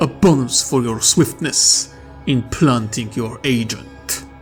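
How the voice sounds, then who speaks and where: A put-on character voice from a man, medium in pitch and fairly slow, over clear background music. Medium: read story. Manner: measured, authoritative.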